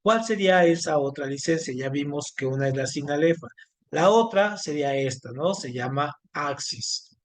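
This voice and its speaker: A man teaching an online class, speaking haltingly with many fillers and restarts. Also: fairly high pitch, expressive. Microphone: video call.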